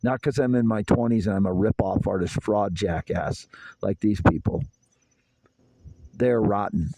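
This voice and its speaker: A man's voice: fairly low pitch, unhurried, mellow, no echo, rough recording. A man in his fifties delivering a rambling, aggrieved solo monologue outdoors in a yard at night. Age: 50s. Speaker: vlogger.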